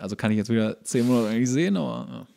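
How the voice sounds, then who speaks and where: A man co-hosting a podcast in casual, joking banter with a grumbling, deadpan sarcasm. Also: medium pitch, fast, gravelly. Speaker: podcast co-host.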